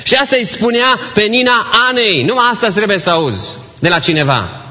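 A man's voice: high voice, very animated, sharp tone, long reverb tail. A man preaching a sermon to his congregation, asking rhetorical questions and dropping English phrases into his talk. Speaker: pastor. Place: church.

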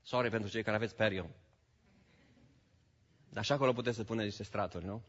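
A man from Romania preaching a sermon as pastor, swinging between loud declaiming and quiet asides, dropping in English phrases. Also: on the low side, steady tone. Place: church hall. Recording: dull sound with long hall reverb.

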